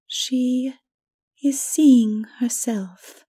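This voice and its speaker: A woman voicing a grave, gentle woman of sorrow in a dark fantasy audiobook, speaking slowly and solemnly. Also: high-pitched, fairly even intonation, dry recording, studio quality, pitched above the performer's own voice, full character voice. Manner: gentle, slow, solemn, partly breathy.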